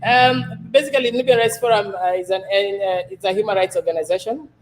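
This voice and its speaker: A man from Kenya, a guest on an online panel, who answers in a relaxed, hesitant way with many pauses and "uh"s. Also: high voice, poor audio. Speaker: panel guest, rights advocate. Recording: faint background noise.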